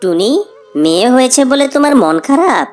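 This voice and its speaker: A woman voicing a gentle, reasonable father bird in a children's cartoon, patient and mildly reproachful. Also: high-pitched, big pitch swings, normal speed, faint music behind. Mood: concerned.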